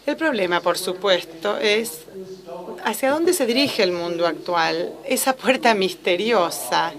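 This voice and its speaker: A woman interprets a lecture live, keeping a steady, fluent flow with only the odd restart. Her voice sits at an ordinary middle pitch. The sound of a gathered audience is clearly heard behind her. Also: measured pace, a crowd in the background. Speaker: simultaneous interpreter.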